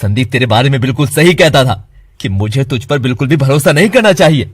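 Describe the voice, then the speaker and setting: A man voicing an arrogant young man who shouts insults at a friend who owes him money. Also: fairly high pitch, quick pace, no room sound, clean studio sound, lightly acted. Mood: taunting.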